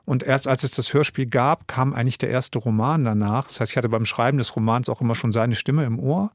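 A man's voice: mid-range voice, fairly quick, no echo, studio quality. A man in his fifties, an author and radio drama director, giving thoughtful interview answers and often restarting his sentences as he searches for words. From Germany.

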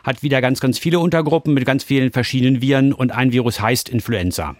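A man's voice: medium pitch, quick pace, dry recording. Reassuring male doctor, dry close sound. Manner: reassuring, explains in simple terms. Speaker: doctor answering callers. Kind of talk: explanatory medical advice.

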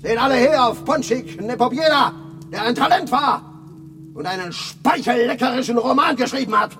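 Brief: a scornful, high-pitched embittered writer who rants in a radio play. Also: male voice, big pitch swings, a little slow, soft background music. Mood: ranting. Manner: mocking, bursts into shouting rants. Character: sardonic, bitter male Soviet writer. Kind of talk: radio drama acting.

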